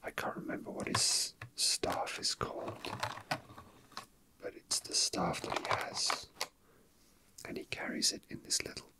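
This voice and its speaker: Whispering man, slow ASMR delivery. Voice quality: soft, breathy whisper. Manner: slow, hesitant, unhurried. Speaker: ASMR video creator. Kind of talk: whispered ASMR, casual chat with read-out facts.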